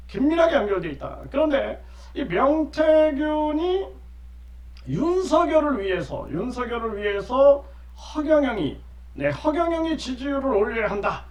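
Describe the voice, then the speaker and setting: A middle-aged man giving lecture-style political commentary as a channel host, emphatic and repeating his key phrases with frequent affirming fillers. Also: extremely high pitch. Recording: roomy echo, distant mic, dull lo-fi sound.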